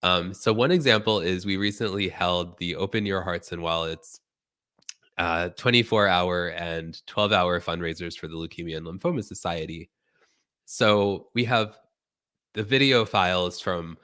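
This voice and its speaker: Hoarse low-voiced man with a cold. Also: sharp tone. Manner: chatty, addresses viewers directly. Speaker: live stream host. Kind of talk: casual live stream tutorial.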